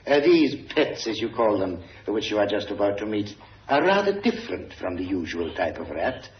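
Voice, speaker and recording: A sinister gloating villain, low-ish voice, old radio drama, roomy and dull sound. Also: male voice, sing-song, moderate pace. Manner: smooth, gloating, menacing. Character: cold sinister male villain Kramer.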